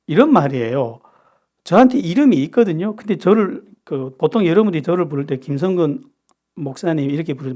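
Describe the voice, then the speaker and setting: A man from North Korea who is a pastor, giving an expressive Bible-study sermon full of rhetorical questions to his congregation. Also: fairly high pitch. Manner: lively, asks the audience rhetorical questions.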